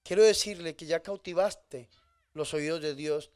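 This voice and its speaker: A Catholic priest delivers a sermon, swinging between loud emphatic lines and soft, hushed ones. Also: male voice, fairly high pitch, unhurried. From Colombia.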